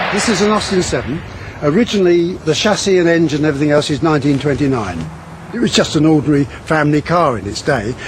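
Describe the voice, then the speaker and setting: Very fast speech from a man with a fairly high pitch and lively intonation, plus noticeable background noise. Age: 70s. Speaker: veteran racing driver. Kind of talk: casual interview.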